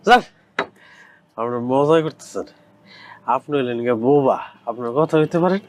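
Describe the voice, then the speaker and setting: A man's voice: mid-range voice, animated, normal speed, lightly acted. A man playing a scheming, flustered drinker in a Bengali comedy skit, exclaiming and pleading over music. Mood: wary, disbelieving.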